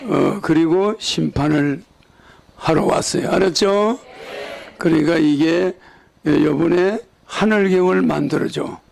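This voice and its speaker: An older man with a Gyeongsang accent delivers a rambling sermon. His voice sits high and carries a gravelly rasp. He keeps checking in with his listeners through quick rhetorical questions. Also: darkish tone, slight background noise. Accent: Gyeongsang Korean. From Gyeongsang region, South Korea. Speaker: religious leader.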